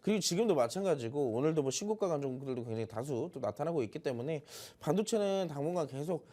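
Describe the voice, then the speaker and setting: A man's voice: fairly high pitch, lively intonation, fast talker, dark tone. A man with a sore throat giving explanatory stock commentary as an expert, step by step to viewers.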